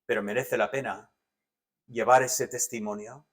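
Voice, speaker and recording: A man with a Spanish accent from Spain preaching a sermon as pastor, animated, swinging between loud emphatic lists and soft, low asides. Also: measured pace. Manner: animated, varies loudness widely, drops to soft asides.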